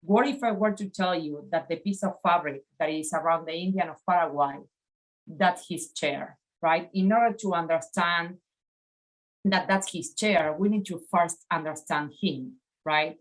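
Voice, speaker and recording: An Argentine woman in her forties, a design educator with an Argentine Spanish accent, gives a reflective lecture over slides, often checking in with "right?". Her voice sits on the low side at a moderate pace, captured roughly through a webcam on a video call.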